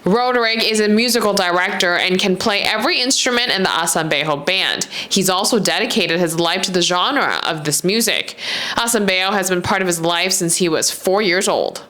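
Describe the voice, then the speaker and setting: A woman's voice: fairly low pitch, moderate pace, bright, forceful tone. A woman reporter reading scripted narration for a feature story. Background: music.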